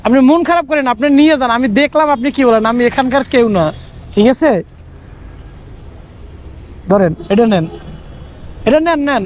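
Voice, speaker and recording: A man's voice: extremely high pitch, animated, normal speed, long pauses, muffled recording, slight background noise. A young man from Bangladesh in a street vlog, coaxing and pleading, repeating himself. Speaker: vlogger. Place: outdoors on a city street.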